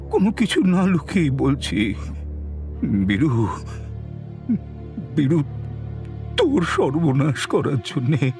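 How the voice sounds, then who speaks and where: Remorseful, anguished man confessing, wildly swinging pitch. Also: darkish tone, exaggerated voice. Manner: halting, dramatic, anguished confession. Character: remorseful Bengali elder brother confessing a sinful occult curse. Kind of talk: radio horror drama acting.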